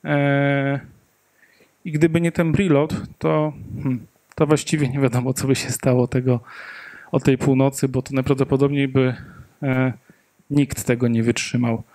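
A man's voice: medium pitch, level tone, unhurried, a little mellow. A man in his thirties giving a tech meetup talk into a handheld mic in a conference room, hesitant with many fillers and joking asides. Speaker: conference speaker. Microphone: handheld microphone.

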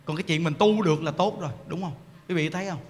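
A man, a Buddhist monk, giving an animated, joking dharma talk and acting out people's voices. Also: on the high side, fast talker, slight background noise. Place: temple hall. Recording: hall reverb with faint ambience.

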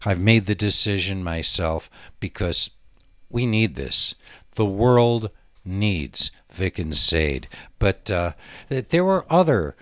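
A man talks through a solo podcast in a musing, halting way, drifting between digressions. His delivery is very slow and his voice fairly low. The sound is close and very dry. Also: sing-song, a bit bright, dry recording. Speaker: podcast host. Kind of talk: rambling solo podcast monologue.

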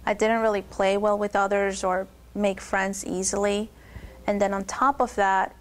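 A young adult woman from Peru telling her personal testimony in a steady, earnest way. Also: mid-range voice. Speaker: testimony speaker.

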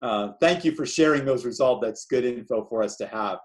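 A man's voice: medium pitch, brisk. A man giving an informal, explanatory webinar presentation as a project lead on a video call. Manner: conversational, explanatory.

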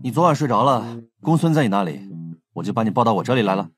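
An actor playing a teasing, confident young police team leader in an audio drama. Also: male voice, mid-range voice, sing-song, fast talker, close to an everyday voice. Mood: teasing, fond. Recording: faint music under the voice.

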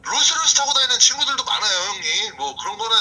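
A man's voice: very high voice, sing-song, quick pace, bright, forceful tone, husky, rough recording. A man in his thirties, a streamer guest boasting and trash-talking with swearing in a casual livestream chat in an indoor room.

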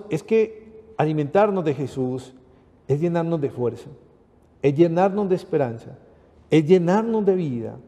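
Dark-voiced Panamanian priest preaching. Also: male voice, on the high side, big-room sound. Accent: Panamanian Spanish. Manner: earnest, repeatedly addressing listeners as brothers. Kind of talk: sermon.

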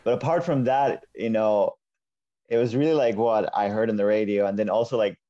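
A man's voice: lowish voice, fairly quick, slight background noise. A Finnish man in his twenties, a native Finnish speaker, chatting casually as a guest, full of likes and you knows. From Finland. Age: 20s. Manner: relaxed, lots of like and you know. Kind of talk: casual interview chat. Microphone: earbud mic on a video call. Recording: dull lo-fi video call audio.

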